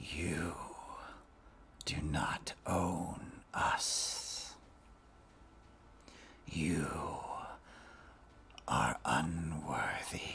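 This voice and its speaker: A man growls in a put-on character voice at a very slow pace, with long, frequent pauses. Light background noise can be heard. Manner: whispering.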